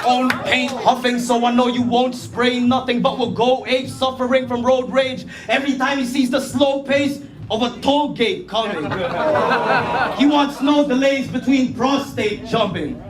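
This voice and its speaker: A man from the Philippines performing battle rap, hurling rhymed insults and sometimes shouting them. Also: very high-pitched, fairly even intonation, measured pace. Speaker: battle rapper. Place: live battle venue. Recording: echoey room, noisy live audio.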